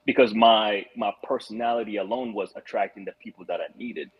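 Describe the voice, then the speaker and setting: Man, from Rwanda, podcast guest, reflective, earnest, husky voice, muffled lo-fi recording. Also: lowish voice, brisk. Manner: reflective, earnest storytelling with frequent restarts. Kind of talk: casual podcast conversation. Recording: muffled lo-fi audio.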